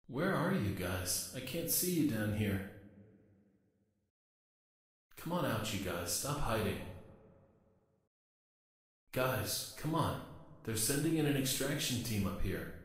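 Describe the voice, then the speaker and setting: A man voicing a monster that mimics lost male researchers, calling out slowly and nervously into the dark. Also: medium pitch, very animated. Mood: coaxing. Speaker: game creature voice. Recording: echoey long-reverb game audio.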